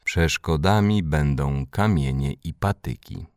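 Mężczyzna grający nieśmiałego chłopca, mówi powoli i ostrożnie, cicho. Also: male voice, a bass voice, clean tone, dry recording, clean studio sound, full character voice. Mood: shy. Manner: slow, careful, quiet. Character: shy stuttering young boy Kuba.

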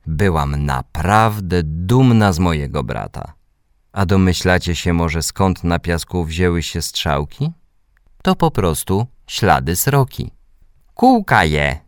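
Reading a story for children, a man with a low voice speaks gently and at a measured pace, expressive and pitched to young ears. His tone is clean and the recording close, dry and echo-free.

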